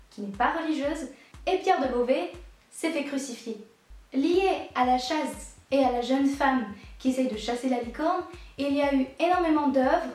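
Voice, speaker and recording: A woman's voice: high-pitched, darkish tone. A young woman explaining a history topic in a casual, playful way, with joking asides. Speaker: YouTube creator. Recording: very echoey room.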